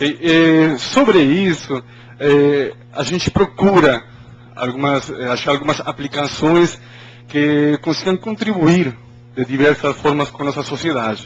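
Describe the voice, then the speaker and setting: Against noticeable background noise, a man with a non-native accent speaks at a fairly slow pace. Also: fairly high pitch for a man, ordinary pitch variation. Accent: foreign accent in Portuguese. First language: Spanish (speaking Portuguese). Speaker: engineering PhD student, speaker. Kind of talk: lecture. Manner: halting, many fillers.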